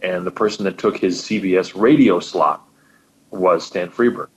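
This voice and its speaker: A man's voice: low-pitched, moderate pace, rough recording. A man chatting on a podcast as guest co-host, talking with eager enthusiasm and often repeating words as he goes. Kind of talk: casual podcast conversation.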